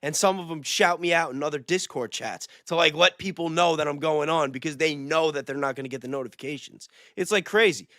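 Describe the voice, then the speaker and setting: A man hosting a casual livestream chat, talking excitedly and repeating phrases for emphasis. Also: a little high, brisk, few pauses, dry recording, studio quality. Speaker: livestream host with a small channel.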